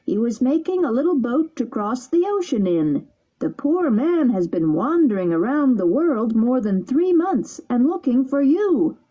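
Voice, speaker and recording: A large, kindly male pigeon voiced by a woman speaks calmly and steadily. His voice is dark and a little breathy. The storybook recording sounds dull and lo-fi. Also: sits high, unhurried, pitched above the performer's own voice, heavily acted.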